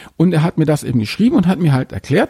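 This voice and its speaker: The sound is dry and close with no echo. A man speaks at a fairly high pitch with a dark, mellow tone and vocal fry. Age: 50s. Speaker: personal finance blogger. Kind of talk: casual interview.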